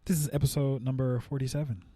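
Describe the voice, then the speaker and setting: A woman's voice: rumbling low, steady tone, quick pace, mellow, no room sound. A woman co-hosting a podcast, bantering and joking in casual chat from a studio. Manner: joking, playful, rhyming banter. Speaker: podcast co-host. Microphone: studio mic.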